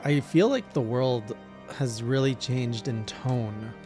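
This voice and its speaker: Male streamer, native French speaker, casual musing commentary, middle pitch. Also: takes it slowly, music in the background. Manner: relaxed, musing, self-deprecating, trails off.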